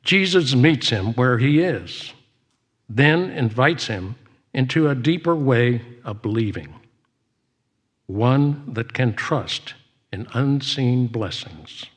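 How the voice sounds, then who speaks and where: A man leading a church service, giving announcements and devotional readings in a measured way with frequent pauses. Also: medium pitch, animated, breathy edge.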